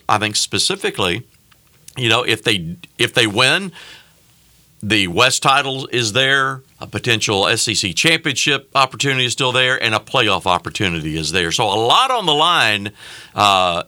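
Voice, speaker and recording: A man's voice: fairly low pitch, expressive, normal speed, bright, forceful tone. A man appearing as a guest on a sports radio show, friendly and talking with frequent fillers. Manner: friendly, hesitant with many fillers. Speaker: bowl game executive guest. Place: radio studio.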